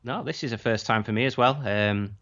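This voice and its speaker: A man's voice: mid-range voice, fairly quick, fairly bright tone. A man chatting casually as the co-host of a podcast. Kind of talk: casual chat. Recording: dull, lo-fi sound.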